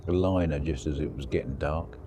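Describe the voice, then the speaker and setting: A man with a croaky voice, rambling through a casual fishing diary on a lake bank. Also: rumbling low, fairly quick. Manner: relaxed, rambling, thinking aloud. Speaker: angler vlogger. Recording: outdoor recording with clear background noise.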